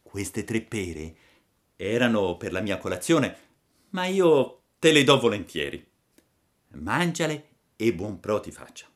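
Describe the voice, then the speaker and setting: A man voicing a patient, kindly old woodcarver who lectures gently and slowly. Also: on the low side, very animated.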